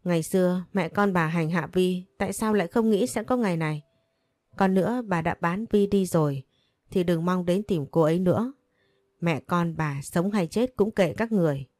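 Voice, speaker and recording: Storybook role: curt, cold young husband, read by a woman, low dark tone. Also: moderate pace, no room sound, studio quality, lightly acted.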